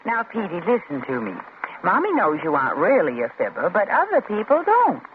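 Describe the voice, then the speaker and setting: A fretful mom, radio drama, tinny phone-like sound, clear hiss. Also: female voice, fairly low pitch, huge pitch swings, a little fast. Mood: scolding gently. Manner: stammering when worried. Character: anxious young mother, growing frantic. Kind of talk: 1950s radio drama acting.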